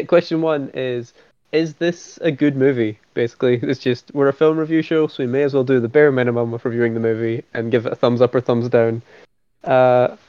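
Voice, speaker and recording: Male podcast host, average pitch, relaxed with lots of ums; dry, muffled lo-fi recording. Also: smooth, no echo. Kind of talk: casual film podcast chat. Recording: dry, dull lo-fi sound.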